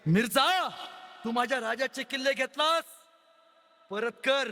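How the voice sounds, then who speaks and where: A man's voice: very high-pitched, measured pace, sharp tone, a little hiss or hum, exaggerated voice. A man voicing a defiant, loyal young Maratha soldier who talks in a pleading yet fiery way, in a hall with long reverb.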